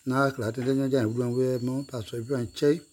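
A man with a husky, slightly breathy voice sings in a chant-like way, looping the same short phrases over and over. His pitch sits in an ordinary middle range for a man. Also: level tone, normal speed, darkish tone. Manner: repeats short refrains over and over.

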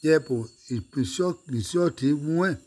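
A man's voice: a little high, takes it slowly, dark tone. A man singing or chanting in a repetitive way, returning again and again to short refrains. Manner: repeats short refrains over and over.

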